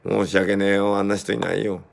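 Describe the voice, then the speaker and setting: Male web-show host, quick teasing banter, gravelly voice, fast and pushy. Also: lowish voice, flat delivery. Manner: teasing, pushy banter in rough casual speech. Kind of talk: casual live-stream chat.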